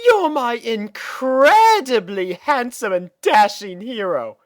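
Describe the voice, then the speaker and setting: A narrator voicing a melodramatic female pony damsel, shrill and swooning, in a storybook reading. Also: very animated, takes it slowly.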